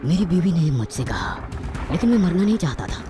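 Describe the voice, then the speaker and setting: A man's voice: on the high side, big pitch swings, brisk. A man narrating a scripted first-person horror story in a dramatic manner. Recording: loud music over the voice. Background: loud music.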